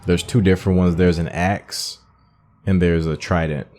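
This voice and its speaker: A man's voice: low-pitched, flat delivery, normal speed, darkish tone. A man giving casual, informal playthrough commentary as a gaming video host, thinking aloud as he goes.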